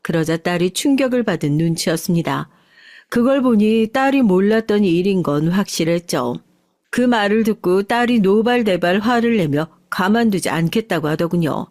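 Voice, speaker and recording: Calm woman narrating a radio story. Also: mid-range voice, moderate pace, dry recording, clean studio sound. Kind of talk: scripted first-person radio story narration.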